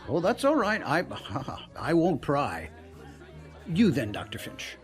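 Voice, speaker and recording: Courtly older senator, very expressive. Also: male voice, fairly high pitch, slow pace, soft background music, some chatter behind, full character voice. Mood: politely curious. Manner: courteous, polished, formal. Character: genteel older male senator, gracious dinner host. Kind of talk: audio drama acting.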